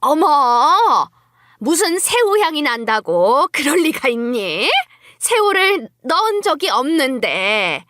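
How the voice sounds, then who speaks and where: Slow, swooping scheming mother-in-law, acted by a woman. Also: high-pitched, big pitch swings, fairly bright tone, dry recording, heavily acted. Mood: feigned surprise. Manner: coaxing, feigning innocence, drawn-out exclamations. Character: scheming middle-aged mother-in-law, falsely sweet, coaxing. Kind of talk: dramatised audio story acting.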